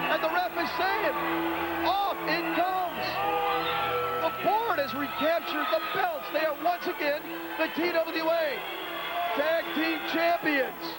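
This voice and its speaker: High-voiced man calling wrestling on worn tape. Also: poor audio. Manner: excitable, calls the action fast and often shouts over it. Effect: worn VHS tape copy. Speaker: wrestling commentator. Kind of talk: play-by-play commentary. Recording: worn VHS tape, loud arena crowd. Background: loud cheering wrestling crowd.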